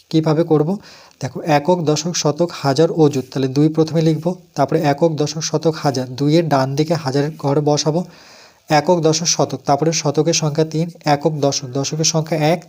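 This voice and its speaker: A man's voice: on the high side, steady tone, a little mellow. Man with a West Bengal accent teaching math. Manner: counts aloud slowly, asks and answers his own questions. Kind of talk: step-by-step math lesson.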